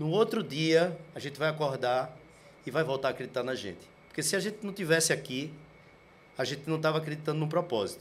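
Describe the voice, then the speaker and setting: Using an unremarkable speaking voice, a man talks at a fairly quick pace and fairly high pitch with ordinary pitch variation. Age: 50s. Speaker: pharmaceutical sales manager. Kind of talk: live podcast interview. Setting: live event with audience.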